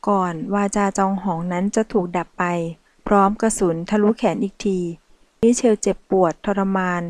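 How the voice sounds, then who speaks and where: A woman reading a dramatic novel aloud in a steady storytelling voice. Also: mid-range voice, moderate pace, no echo. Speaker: audiobook narrator. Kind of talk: scripted novel narration.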